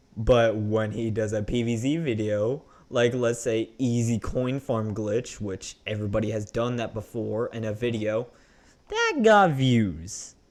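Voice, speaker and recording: With noticeable background noise behind him, a man speaks at a fairly slow pace and a medium pitch. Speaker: gaming YouTuber. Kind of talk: commentary video rant. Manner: animated, exasperated.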